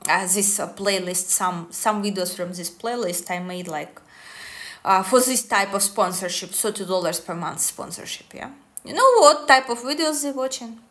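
A woman, talking casually to the camera in deliberate, halting English. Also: mid-range voice, animated, a bit bright. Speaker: online esoteric coach. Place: small indoor room, seated at a table.

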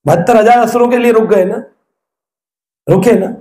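Guy with a really high voice giving a devotional talk, lots of rhetorical questions, roomy echo. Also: moderate pace, dark tone. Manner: storytelling, asks rhetorical questions. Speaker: preacher. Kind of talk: devotional discourse with questions from listeners.

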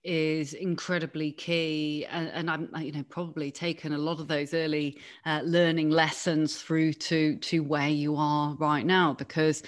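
A woman's voice: sits low, flat delivery, unhurried, hardly any pauses. A young woman hosting a podcast over a video call on a headset, asking long questions full of fillers. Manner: rambling, hesitant questions with many fillers. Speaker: podcast host.

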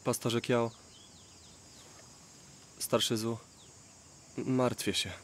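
A man's voice: mid-range voice, level tone, very slow, slight background noise. A young man dubbing the role of a hesitant, worried preacher in a film. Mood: fearful.

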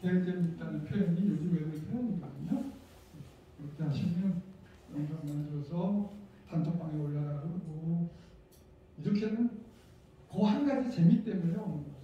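A man's voice: high voice, warm tone. A middle-aged man teaching a hands-on workshop as an instructor, informally guiding people step by step. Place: wood-panelled seminar hall, indoors. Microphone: handheld microphone heard over room speakers, recorded from far off. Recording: echoey room, distant muffled mic, background noise.

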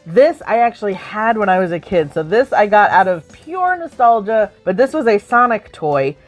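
A woman in her thirties, co-hosting a casual chat about toys in a room full of shelves, excitable and giggly. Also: mid-range voice, moderate pace, faint music behind. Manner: excitable, giggly, squeals when surprised. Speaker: co-host. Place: home collection room with shelves.

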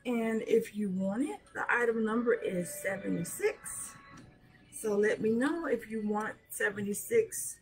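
Hoarse woman slowly chatting up jewelry. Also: medium pitch, faint music behind, low-quality recording. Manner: chatty, slow, showing items up close. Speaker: jewelry seller. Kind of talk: live sales show chat. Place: small decorated room indoors. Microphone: webcam at arm's length.

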